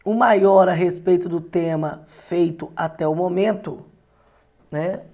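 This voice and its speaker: Woman from Brazil, lower register, teacher explaining exam items with frequent check-in questions. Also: slow, dark tone. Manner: explanatory, asks rhetorical questions, frequent tag "né". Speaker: Portuguese teacher. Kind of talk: exam-prep lecture.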